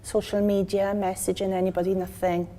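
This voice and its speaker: A woman in her fifties with a Welsh accent, telling an interviewer her story in an earnest, halting way. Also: mid-range voice, little pitch movement, dark tone, slight background noise. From Wales. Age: 50s. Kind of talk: documentary interview.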